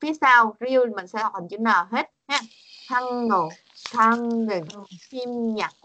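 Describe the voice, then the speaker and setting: A woman's voice: a little high, measured pace, pushed and bright, dull audio. A woman teaching a Korean pronunciation lesson over a video call, patient and coaxing, repeating words for her students.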